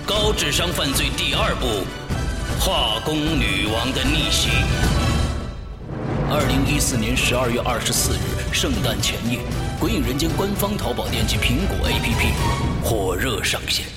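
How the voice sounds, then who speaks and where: A man reading a scripted promo as a dramatic announcer. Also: medium pitch. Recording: echoey, loud music bed. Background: loud music.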